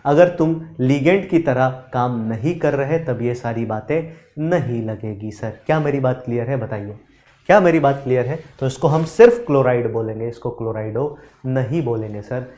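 A man teaching chemistry in a live online lecture, animated, quizzing his students and mixing in English terms. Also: medium pitch, roomy sound. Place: studio classroom.

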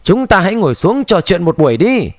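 A man voicing an ancient, emotionless male sage of destruction in an audiobook, speaking in a flat, calm, cold way. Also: high voice, normal speed, no room sound, studio quality. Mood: coldly calm.

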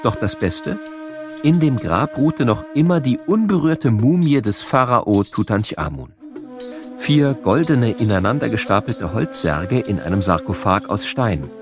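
A man narrating a scripted educational audio programme for children in a measured, explanatory way. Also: lowish voice, sing-song, over music.

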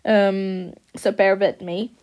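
A young woman from Denmark hosting her channel, talking unscripted over a speed paint, halting with many fillers and restarts. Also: medium pitch, level tone, a little mellow, muffled recording. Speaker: channel host.

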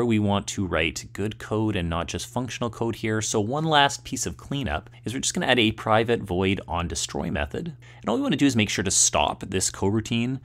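A man's voice: fairly low pitch, a bit bright. A man presenting a tutorial in scripted screencast narration, explaining step by step.

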